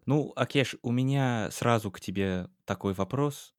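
A man from England with an English accent and English as his native language, co-hosting a casual interview in an encouraging, halting way with repeated words. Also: mid-range voice, loud music behind the voice. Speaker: podcast co-host.

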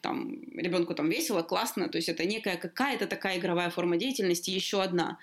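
A woman language teacher chatting as a podcast guest, explaining in a lively way with sudden lifts in her voice. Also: on the low side, fast talker. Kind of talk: casual conversation, explaining.

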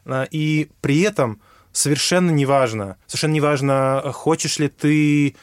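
A man's voice: on the high side, moderate pace, smooth, dry recording, clean studio sound. A man explaining how to study a language in a conversation, thinking aloud with many fillers and restarts. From Russia. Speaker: guest, English teacher.

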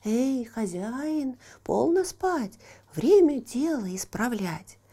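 A kind, wise little humpbacked horse, as a woman reading the tale puts him on, speaking gently and with care in a raised, soft voice that sometimes drops to a hush. The tone is warm, slightly gravelly and unhurried. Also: fairly high pitch, sing-song, pitched above the performer's own voice, full character voice. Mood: caring soft.

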